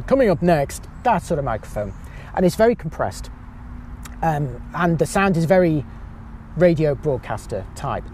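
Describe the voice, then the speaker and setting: A man with a high-pitched voice, chatting casually as a podcast guest with a self-mocking humor. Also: big pitch swings, measured pace, mellow, slight background noise. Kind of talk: casual chat.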